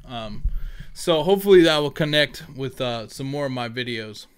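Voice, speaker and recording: A man's voice: medium pitch, expressive, moderate pace, slight background noise. A man giving a casual, rambling screen-recorded tutorial as a gaming content creator, thinking aloud as he goes. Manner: informal, rambling, thinking aloud while typing. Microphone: headset.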